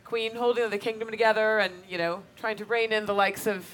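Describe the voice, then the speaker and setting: A woman, a filmmaker on a panel, answering audience questions fluently and warmly, with small "uh" fillers. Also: medium pitch, fairly even intonation, a little fast, a little hiss or hum. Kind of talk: live Q&A answers.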